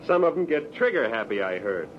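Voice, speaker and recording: A man plays a jealous young handyman in an old radio play. He has a mid-pitched American voice, surly and full of sarcasm. The recording is dull, with slight noise. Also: very animated, a little fast, lightly acted. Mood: hostile, sneering. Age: young adult. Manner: sneering, sarcastic. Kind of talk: 1940s radio drama acting.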